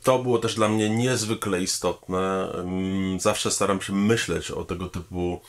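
A man, a pianist and composer, speaking formally and thoughtfully about his work and pausing often on hesitation sounds. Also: deep voice, fairly even intonation. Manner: measured and thoughtful, with frequent hesitation fillers; formal, polite address to the audience. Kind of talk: promotional talking-head statement.

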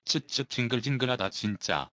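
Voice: medium pitch, animated, normal speed, sharp tone. A performer playing a young recruit buddy in a comedy skit, blunt and dryly teasing. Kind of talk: comedic skit role-play.

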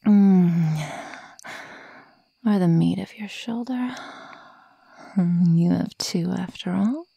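A woman voicing a sadistic young female werewolf in a slow ASMR roleplay, whispery and breathy, taunting and menacing her prey. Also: fairly low pitch, warm tone, heavily acted. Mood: hungry, teasing. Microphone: close microphone, dry.

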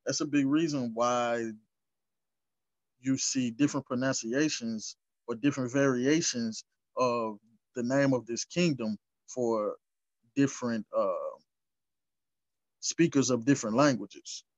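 Man, history explainer, slow deliberate reading, stumbles on long words, dry close sound, lo-fi. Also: mid-range voice, dry recording. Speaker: history channel host. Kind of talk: reading and explaining source texts. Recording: dull lo-fi recording.

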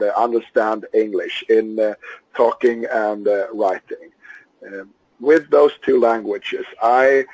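Halting Swedish man lecturing, husky tone. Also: fairly low pitch, darkish tone, dry recording, low-quality recording. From Sweden. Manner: halting, many uhs and ums. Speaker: Scrum trainer. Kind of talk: webinar lecture over slides.

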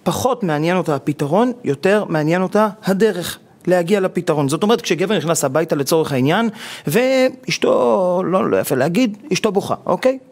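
A rabbi on a TV talk show explaining marriage advice and acting out quoted husbands and wives as he tells stories. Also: high voice. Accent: Israeli Hebrew. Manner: animated storytelling, acting out quoted spouses. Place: television studio.

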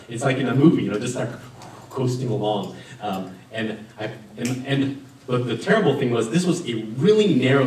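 A pastor in his thirties preaches in a church sanctuary, telling a story in a chatty, animated way. His mid-pitched voice carries through a heavily echoing room. It is picked up from a distance, away from the mic. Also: a little hiss or hum. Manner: animated, conversational, gesturing at a lectern. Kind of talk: sermon with personal story. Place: church sanctuary with stained glass, indoors. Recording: very echoey room from far off.

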